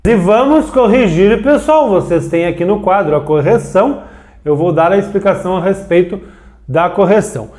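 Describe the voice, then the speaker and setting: A man teaching a grammar lesson at a board, animated and drawing words out for emphasis while checking in with his students. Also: sits high, moderate pace. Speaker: Portuguese teacher.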